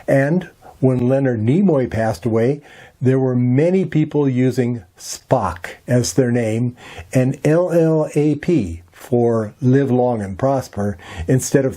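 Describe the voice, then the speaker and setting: A man presents a scripted tutorial in a mellow, soft-edged voice. His pitch sits in an ordinary male range, and he explains things in a measured, instructional way. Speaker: presenter of an amateur radio tutorial.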